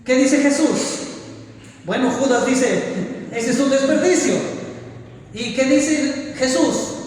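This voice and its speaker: A high-pitched man preaches to his congregation, exhorting them and throwing out rhetorical questions. His voice rings through a long-reverb church hall, picked up from a distance with a faint hiss behind it. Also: slow pace, darkish tone. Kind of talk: evangelical sermon. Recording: echoey church hall, voice from far off.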